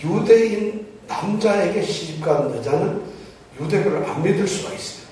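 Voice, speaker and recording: Male preacher, slightly high voice, teaching with questions to the pews; distant mic in a very reverberant church. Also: animated, normal speed, dark tone, slight background noise. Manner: poses rhetorical questions to the congregation. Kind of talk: Bible teaching sermon. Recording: very echoey church hall, mic far off.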